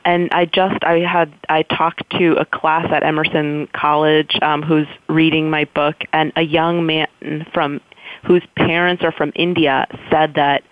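A woman's voice: sits low, no echo. An American woman, an author guest, answering interview questions in a thoughtful, searching way with many restarts. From United States. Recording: dry tinny phone line.

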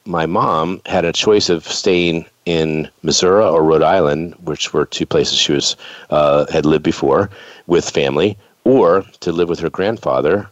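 A show host from the United States, in his fifties, keeps a casual interview chatty and meandering. He speaks with a bass voice, a little slowly, and the dull lo-fi recording has no echo.

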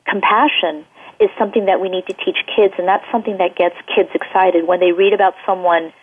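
A woman's voice: medium pitch, fairly even intonation, brisk, husky. A woman children's book author speaking in an interview, rambling along with many fillers and restarts. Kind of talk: casual interview over the phone. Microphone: telephone. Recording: tinny phone line.

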